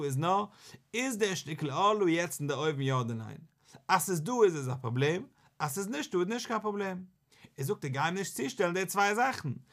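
Animated rabbi teaching, man, higher voice. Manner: animated, questioning, sing-song rise and fall. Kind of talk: Talmud study lesson.

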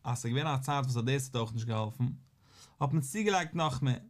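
A man's voice: mid-range voice, fairly quick. A man, a rabbi, giving a daily Talmud lesson, posing questions and answering them in a study singsong.

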